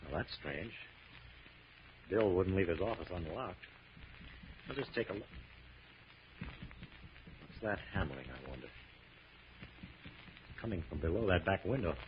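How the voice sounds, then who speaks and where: An actor playing a resolute, inquisitive detective hero in an old radio drama, deliberately thinking aloud in a theatrical way. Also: male voice, low voice, animated. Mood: curious, alert. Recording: noisy, muffled old radio recording.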